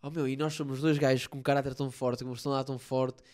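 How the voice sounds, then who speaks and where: Young man, european portuguese accent, quick talker, slangy, swears a lot, casual chat. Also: medium pitch, flat delivery, darkish tone. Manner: slangy, swears often, trails off and restarts.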